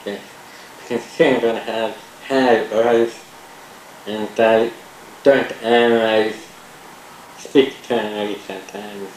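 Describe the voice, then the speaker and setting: A middle-aged man speaks slowly and deliberately, shaping each word with care. His voice sits in a mid range and carries the echo of a small lab room, with faint tape hiss underneath. He is recorded on a camera mic from across the room. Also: medium pitch, vocal fry, a little mellow. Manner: slow, deliberate, carefully articulated. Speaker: research participant. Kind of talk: repeating sentences and casual chat.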